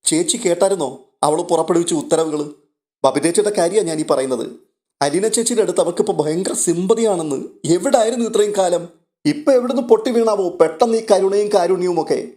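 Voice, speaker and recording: A man's voice: fairly high pitch, a little fast, a little mellow, lightly acted. A man doing a cheeky gossiping young woman. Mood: indignant. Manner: teasing and indignant.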